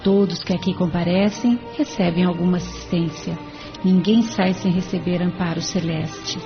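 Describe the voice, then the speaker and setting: A woman's voice: fairly low pitch, steady tone, normal speed, lightly acted. Woman doing a kind old chapel spirit, caring tone, a bit muffled, music behind. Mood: devoted. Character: kindly female spirit caretaker of a chapel. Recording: dull lo-fi radio recording.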